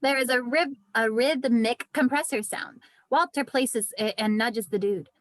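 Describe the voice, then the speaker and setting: A woman's voice: on the high side, measured pace, fairly bright tone, dry recording. A woman reading screenplay stage directions as a scripted narrator.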